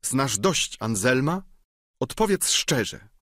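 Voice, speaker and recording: A man's voice: mid-range voice, very animated, slow, a bit bright, no room sound, studio quality, pitched above the performer's own voice. A man voicing a young noblewoman who feigns desperate fury, reading her lines in an impassioned, declamatory way for an audiobook. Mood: indignant.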